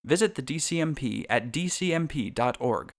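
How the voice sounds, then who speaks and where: A man's voice: medium pitch, expressive, normal speed. A man delivering scripted narration as an audio describer.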